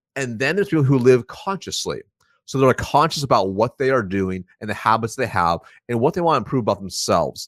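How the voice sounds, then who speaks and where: A man speaks with very wide pitch swings in a dry, close sound with no echo, on a very clean recording with a silent background. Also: medium pitch for a man, fairly quick pace. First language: not English. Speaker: sales coach. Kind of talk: podcast interview.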